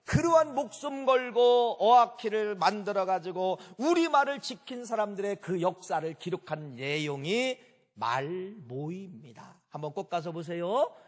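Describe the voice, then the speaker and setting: Man, pastor, sermon, high-pitched, emphatic repetition, rhetorical questions, long church reverb. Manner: emphatic, repeats key phrases, asks the congregation questions.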